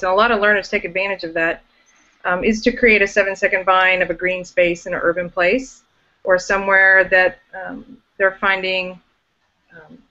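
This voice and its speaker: A woman's voice: mid-range voice, sharp tone. A woman teacher explaining a class activity casually on a video call, with frequent ums. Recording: dull lo-fi video call audio.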